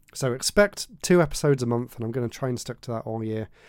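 A man with a British accent, medium pitch and a fairly quick pace, in a very clean recording with a silent background. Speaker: YouTuber and podcast host. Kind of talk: solo monologue.

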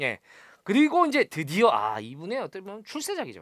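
On a very clean recording with a silent background, a man speaks in an animated tone at a fairly quick pace. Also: dry, close sound with no echo. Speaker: film director. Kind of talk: casual chat.

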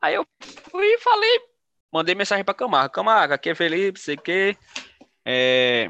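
A man speaks at a moderate pace, leaving long, frequent pauses. The sound is dry and close, with no echo. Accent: Rio Grande do Norte. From Rio Grande do Norte, Brazil (near Natal). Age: 30s. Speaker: American football player. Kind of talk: casual chat.

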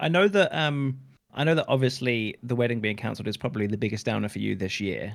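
Very fast speech in a British accent. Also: man, medium pitch for a man, lively intonation. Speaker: podcast host. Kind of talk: casual chat.

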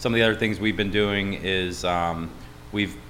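A man in an American accent talks at a moderate pace, his pitch very deep and low. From US, Erie, Pennsylvania. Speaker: school district operations executive. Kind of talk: interview. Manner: halting, many fillers.

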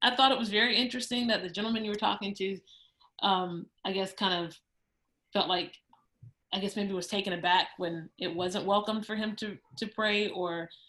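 This woman talks fairly quickly in a Southern US accent, her pitch medium and her intonation fairly even. Her tone is bright and sharp, broken by long, frequent pauses. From South Carolina, rural. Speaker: new attorney, former TV news producer. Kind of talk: casual chat.

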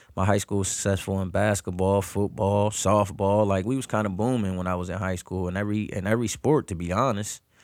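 A man's fairly low voice at a very fast pace, with fairly even intonation and hardly any pauses, on a very clean recording with a silent background. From Erie, Pennsylvania. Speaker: podcaster. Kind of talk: personal testimony. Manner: halting, many fillers and repetitions.

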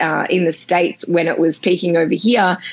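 Speaking at a fairly quick pace in an Australian accent, a woman has a fairly low pitch. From Western Australia. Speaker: comedian. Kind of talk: casual chat. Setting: video call.

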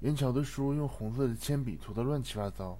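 In a room with audible echo, a man speaks fairly slowly at a medium pitch, somewhat breathy and with lively intonation. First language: Chinese (speaking Japanese). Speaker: Japanese learner in reading group. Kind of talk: reading aloud; casual discussion. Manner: halting.

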